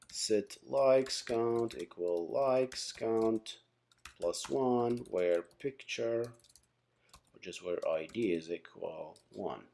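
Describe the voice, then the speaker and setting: A software engineering instructor gives an informal tutorial, reasoning aloud one step at a time and frequently checking in with short tags. His voice is fairly low and mellow, with some vocal fry.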